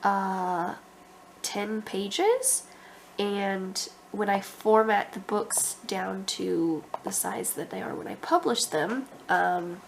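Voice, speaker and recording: A woman's voice: medium pitch, expressive, slow pace, vocal fry, background noise. A young adult woman with a stuffy, congested voice, talking casually about her writing and thinking aloud with lots of ums. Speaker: author vlogger.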